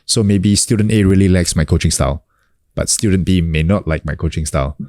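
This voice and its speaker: Speaking a little fast, this New Zealand actor and coach in his thirties has a very low voice. As a guest in a casual interview he keeps things relaxed, full of fillers and restarted sentences, and the sound is close and dry without any room sound.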